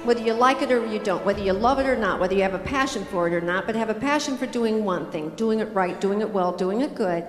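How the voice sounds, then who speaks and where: Talking fast with few pauses, an older keynote speaker addresses a conference audience through a handheld mic, her motivational message punchy and emphatic. Her voice is medium-pitched, soft music plays in the background, and the hall has long reverb.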